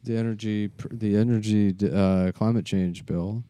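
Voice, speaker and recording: A man co-hosting a podcast, rambling through crude jokes and deadpan mock news bits. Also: fairly low pitch, moderate pace, no room sound. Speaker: podcast co-host. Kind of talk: crude comedy banter.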